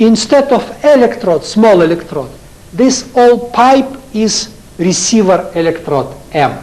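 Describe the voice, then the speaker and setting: A high-pitched man with a Russian accent, lively intonation, a fairly slow pace and very even loudness, amid audible room echo and noticeable background noise. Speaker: professor. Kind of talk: lecture. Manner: halting.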